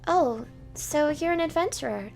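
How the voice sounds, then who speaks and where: A woman voicing an unbothered, newly awakened ancient fox spirit woman in a visual novel game, in a calm, musing way. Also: sits high, normal speed, creaky, faint music behind, pitched above the performer's own voice, low-quality recording. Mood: unimpressed.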